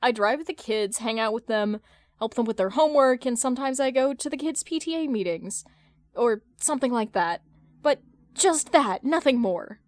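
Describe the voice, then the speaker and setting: A woman's voice: a little high, lively intonation, normal speed, no echo, close to an everyday voice. A woman voicing a defensive, flustered forty-year-old man who protests and stammers in an audio fan fiction reading. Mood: indignant.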